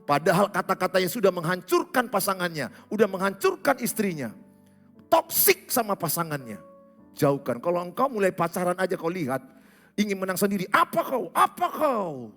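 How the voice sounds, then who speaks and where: A man preaching a sermon, jumping between loud, high exclamations and soft, low asides in short punchy phrases. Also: lively intonation, fairly quick. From Indonesia. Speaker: pastor. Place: large church hall. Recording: reverberant church hall with faint music.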